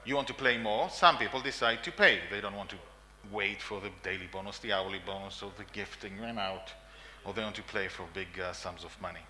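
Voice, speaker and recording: A man in his forties with an Israeli accent talks emphatically at a conference in a meeting room, repeating lists amid frequent coughs and fillers. His voice is fairly low pitched, fairly quick, bright and forceful, with slight background noise.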